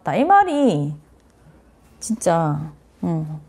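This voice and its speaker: A woman's voice: on the low side, very animated, extremely slow, a little mellow. A middle-aged woman psychiatrist giving a parenting lecture, speaking earnestly, acting out what parents and children say and mixing in English phrases.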